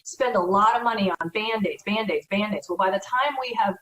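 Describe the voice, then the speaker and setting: A woman's voice: mid-range voice, fairly quick, fairly bright tone, a little hiss or hum. A woman, a real estate broker, giving earnest, conversational advice in an educational talk. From United States. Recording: echoey room, from far off.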